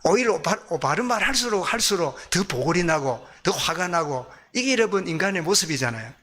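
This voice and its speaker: A man with a Gyeongsang accent preaching a sermon as pastor, lively, asking the congregation questions. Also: high voice, fairly quick. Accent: Gyeongsang Korean.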